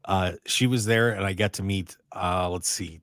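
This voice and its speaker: A man hosting a radio show in casual, rambling chat, his voice a little raspy and strained. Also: low-pitched, normal speed, no echo, studio quality. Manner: chatty, excitable, rambling. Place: radio studio.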